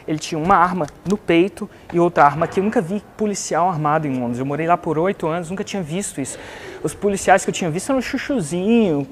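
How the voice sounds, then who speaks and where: A man's voice: sits high, a little hiss or hum. A man from Brazil with a Brazilian Portuguese accent, animatedly telling a story to teach a lesson and acting out the other people's lines. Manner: animated, acts out the other voices in his story. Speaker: online business coach.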